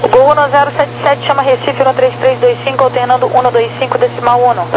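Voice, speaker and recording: A woman working as an air traffic controller, giving procedural flight clearances digit by digit over aviation radio. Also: high-pitched, flat delivery, fairly quick, lo-fi sound, over music.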